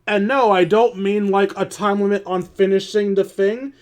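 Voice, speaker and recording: A man's voice: high-pitched, steady tone, normal speed, a little mellow. A man doing casual livestream game commentary, talking informally with swearing and grumbling. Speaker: video game streamer. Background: music.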